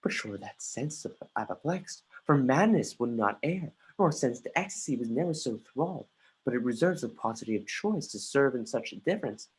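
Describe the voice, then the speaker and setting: A husky, mid-pitched voice plays an anguished young prince in an actor's stage reading. The delivery is declamatory Shakespearean verse, accusing and scornful. It moves between muttering and outbursts, with the odd stumble over a line. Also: expressive, normal speed, low-quality recording. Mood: bitter, reproachful. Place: remote livestream from home.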